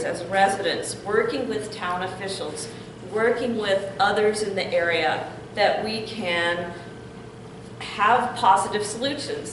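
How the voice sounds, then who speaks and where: An older woman, a grandmother, welcoming people to a community meeting in an outgoing, chatty way, laughing now and then. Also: mid-range voice. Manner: warm-voiced, outgoing, laughs often. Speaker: community organizer giving welcome. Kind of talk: public meeting remarks. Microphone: room mic at a distance. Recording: echoey room from far off, noisy.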